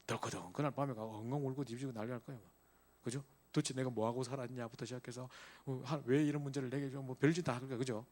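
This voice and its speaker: A middle-aged male pastor gives a sermon to young church members. He speaks quickly and with emphasis, tossing out rhetorical questions and answering them himself. His voice sits at an ordinary male pitch. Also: steady tone, darkish tone. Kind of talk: sermon to a church youth group.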